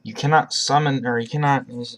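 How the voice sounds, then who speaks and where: A man walks through a card game deck in loose, chatty talk, often stumbling and restarting his sentences. He has a cough and talks around a cough drop, at a middling pitch. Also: fairly even intonation, fairly quick. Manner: rambling, frequent restarts and ums. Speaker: YouTuber presenting a card deck. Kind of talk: casual deck profile talk.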